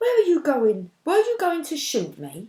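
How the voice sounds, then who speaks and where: A woman does a put-on character voice, extremely high in pitch and at a moderate pace. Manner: sorrowful.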